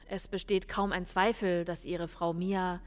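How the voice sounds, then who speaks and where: Woman acting a calm, probing police lieutenant, reverberant. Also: fairly low pitch, clean tone, natural voice. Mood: calm, factual. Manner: measured, insistent questioning. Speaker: actress in a crime radio play. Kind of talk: audio drama dialogue.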